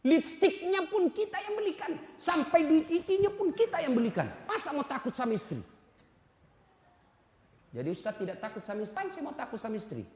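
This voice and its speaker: A male preacher gives a lively, humorous sermon, teasing the audience and urging them on. His voice sits high for a man. Everything rings with the long reverb of a large hall. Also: fairly quick. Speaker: ustadz, preacher.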